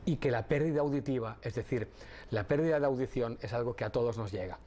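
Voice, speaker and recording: A middle-aged man from Catalonia speaks as a guest on a television talk show. His pitch sits in an ordinary middle range. He explains things in a measured, patient way and sometimes restarts a phrase. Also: warm tone. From Catalonia, Spain. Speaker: audiologist guest. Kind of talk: TV interview.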